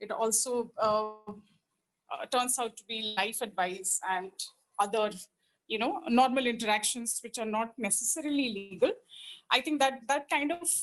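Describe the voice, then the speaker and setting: A woman with an Indian accent speaks fairly slowly at a fairly high pitch, her lively intonation broken by long, frequent pauses. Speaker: lawyer. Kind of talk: panel discussion. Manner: halting, many fillers.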